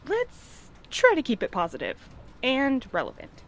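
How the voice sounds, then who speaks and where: Actress as prim well-meaning woman courier, businesslike, animated pitch, audio drama, background noise. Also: measured pace, full character voice. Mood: businesslike, flustered. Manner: earnest, careful, businesslike. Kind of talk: naturalistic audio drama acting.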